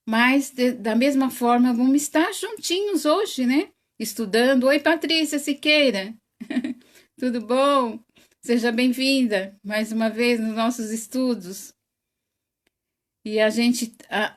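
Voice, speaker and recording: Slow-talking Brazilian woman hosting a livestream. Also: a little high. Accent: Brazilian Portuguese. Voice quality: says she has a very loud voice. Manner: greets viewers one by one by name, laughs often, slow and chatty. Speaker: host of an online spiritist study. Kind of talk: casual livestream chat.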